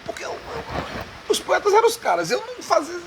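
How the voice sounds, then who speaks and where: A man's voice: very high-pitched, wildly swooping pitch, a little fast. Chatty man in a noisy bar. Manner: chatty storyteller, laughs often, repeats "né?". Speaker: radio producer and host, interview guest. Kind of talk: casual bar-table interview chat. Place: bar, indoors.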